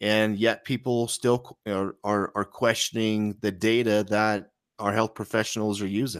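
A man speaks fairly slowly at a fairly low pitch, monotone and flat. The recording is dry and close, with no echo. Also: very clean recording, silent background. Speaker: podcast co-host. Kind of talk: casual political chat. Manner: filler-heavy, repetitive.

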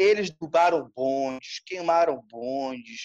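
A high-pitched man's voice at a very slow pace. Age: 30s. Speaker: history teacher. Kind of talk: educational podcast conversation.

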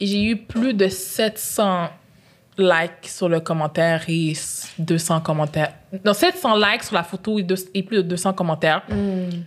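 A woman uses a normal speaking voice at medium pitch, with fairly even intonation. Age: 20s. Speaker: nurse and uniform business founder. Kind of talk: casual chat.

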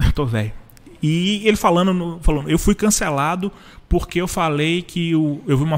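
This man has a normal speaking voice, fairly high in pitch. His pitch varies in an ordinary way. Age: 30s. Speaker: journalist. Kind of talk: casual chat.

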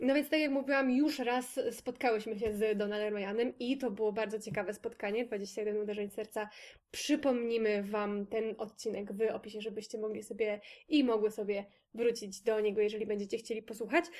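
In an ordinary speaking voice, a woman talks at a fairly high pitch and a fairly quick pace with fairly even intonation. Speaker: book podcast co-host. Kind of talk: casual chat.

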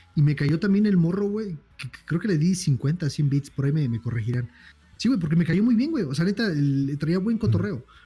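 A man speaks at a moderate pace in a Mexican accent. His fairly high voice has a dark, mellow tone and lively intonation. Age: 20s. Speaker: streamer. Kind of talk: casual chat.

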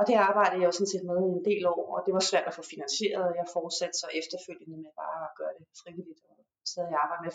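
This woman's fairly low voice stays monotone, her intonation flat throughout. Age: 40s. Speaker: family therapist and author. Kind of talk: interview. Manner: halting.

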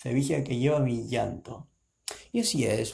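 A dark, mellow tone comes with a somewhat breathy quality. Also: man. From Brazil, Pernambuco. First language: Portuguese (speaking Spanish). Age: 20s. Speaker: podcaster. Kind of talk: solo podcast monologue. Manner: halting.

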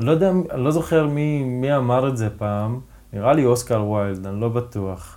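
At a moderate pace, the speaker shows ordinary pitch variation and a dark, mellow tone. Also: man, medium pitch for a man. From Israel, Druze community. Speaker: podcast host. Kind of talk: casual interview.

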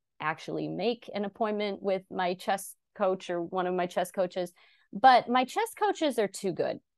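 The recording has a quiet background and a dry, close sound with no echo, carrying an ordinary speaking voice with ordinary pitch variation. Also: woman. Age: 30s. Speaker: chess club director and educator. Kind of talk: casual interview.

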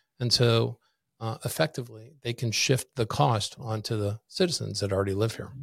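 There is a dry, close sound with no echo as a man with an American accent talks in a somewhat breathy voice at medium pitch. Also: ordinary pitch variation, moderate pace. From Washington D.C. area. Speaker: county commissioner. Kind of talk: interview.

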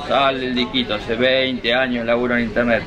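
A man speaks at a medium pitch, with audible room echo and noticeable background noise. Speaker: travel blogger. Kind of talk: casual chat. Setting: onboard cruise ship lounge.

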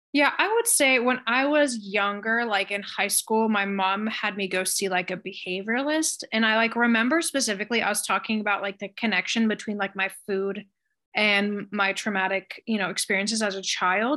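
The voice is a normal speaking voice at a moderate pace with ordinary pitch variation and hardly any pauses, over a quiet background. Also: woman, medium pitch for a woman. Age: 30s. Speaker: health coach. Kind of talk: casual chat.

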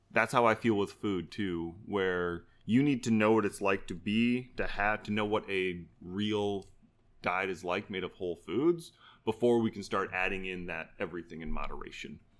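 A man with an ordinary speaking voice talks at a moderate pace, his fairly low pitch carrying ordinary pitch variation, on a very clean recording with a silent background. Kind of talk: casual interview chat.

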